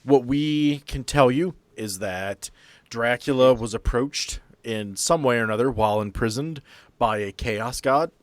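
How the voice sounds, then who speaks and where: A man's voice: mid-range voice, measured pace, no room sound. A man hosting a podcast, explaining and prompting in casual conversation. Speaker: podcast host.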